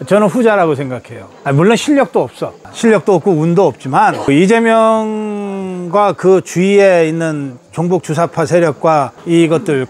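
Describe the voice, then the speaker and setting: A man's voice: a little high, a little mellow. A man in his sixties giving a political lecture in an emphatic, rhetorical way, slipping into colloquial asides. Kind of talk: political lecture, answering audience questions.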